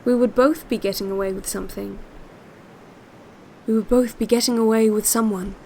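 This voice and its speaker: An actress playing a calm, yearning woman who narrates secret relaxation cassettes in a measured, intimate audio drama monologue. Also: a little high, vocal fry, a little hiss or hum, poor audio. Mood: wistful, longing. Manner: measured, deliberate, repetitive phrasing.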